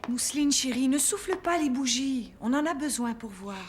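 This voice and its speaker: Brief: a caring cartoon mother, bright high voice, very expressive. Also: moderate pace, music in the background. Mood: gentle. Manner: soft, encouraging motherly tone. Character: warm, gentle young mother. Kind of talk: dubbed cartoon acting.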